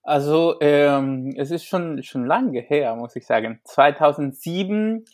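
A man from Chile talks as a guest expert, his pitch a little raised. He hesitates often and restarts his sentences, yet keeps an enthusiastic tone. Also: slow. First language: Spanish. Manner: hesitant, many fillers and restarts, warm and enthusiastic. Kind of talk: podcast interview.

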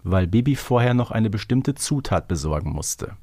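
A man's voice: on the low side, lively intonation, moderate pace, warm tone. A man co-hosting a podcast in casual quiz banter, playful and checking for agreement as he goes. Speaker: podcast host.

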